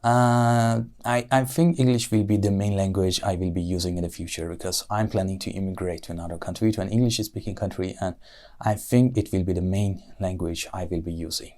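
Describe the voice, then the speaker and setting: A man with a Persian accent and a notably low, deep voice, giving spoken-exam answers in English. He thinks aloud, fills gaps with "uh" and restarts his phrases, sounding careful rather than rushed. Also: steady tone, a little mellow. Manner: thoughtful, with frequent "uh" and self-corrections. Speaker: IELTS speaking test candidate.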